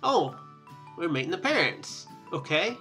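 A man's voice: a little high, very animated, measured pace, over music. A man hosting a let's play with casual, rambling, joking commentary.

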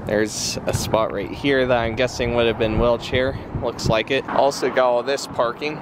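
A man's voice: medium pitch, flat delivery, moderate pace. A young man narrating a casual walkthrough as he explores an empty building, thinking aloud and guessing. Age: young adult. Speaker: exploration vlogger. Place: outdoors around an empty building. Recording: outdoor street and traffic noise. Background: passing cars and street ambience.

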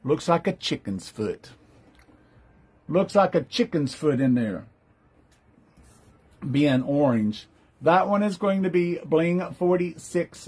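A fairly high, husky man's voice runs a live-stream jewelry sale. He chats upbeat and friendly, greeting viewers by name while describing each piece for sale. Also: a little mellow. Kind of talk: casual live-stream sales chat.

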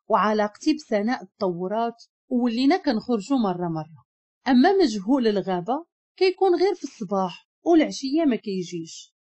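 A woman with a Moroccan accent narrating a first-person story in an expressive, emotional way. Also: a little high.

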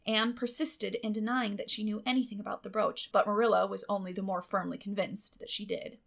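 A woman's voice: mid-range voice, fairly even intonation, fairly quick, vocal fry. A woman reading scripted classic fiction as an audiobook narrator.

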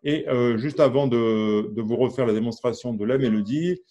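Warm in tone and speaking at a normal speed, a man with a mid-range voice leads an informal music lesson online. He chats freely with plenty of fillers as he counts and sings out syllables over his instrument.

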